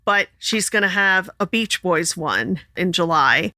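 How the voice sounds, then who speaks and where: Woman, podcast co-host, chatty, laughs a lot, bright voice, dry close sound. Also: expressive, unhurried, no echo. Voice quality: sings alto and high tenor. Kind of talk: casual chat.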